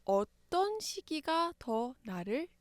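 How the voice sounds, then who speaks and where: A woman's voice: high-pitched, sing-song, takes it slowly, dry recording. A woman moderating a playful podcast debate, polite and formal as she announces topics and scores.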